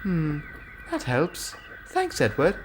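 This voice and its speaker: A man's voice: huge pitch swings, takes it slowly, a little hiss or hum, heavily acted. A man doing a chirpy young girl engine. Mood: nervous. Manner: high, gentle, sometimes nervous. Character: cheerful young female express engine, polite and eager. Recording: music playing clearly behind.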